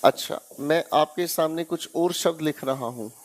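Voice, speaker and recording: High-voiced Indian man teaching grammar. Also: moderate pace, slight background noise. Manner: coaxing, keeps checking students with "haan ya na?" and "theek hai beta?". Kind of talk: online exam-prep lecture.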